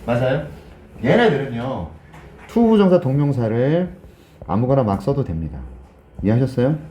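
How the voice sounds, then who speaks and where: Male teacher, lively classroom lecturer who banters and quizzes students; warm dark voice, roomy echo. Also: medium pitch, moderate pace, slight background noise. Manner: jokey, teasing, quizzes students in casual speech. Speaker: English grammar teacher.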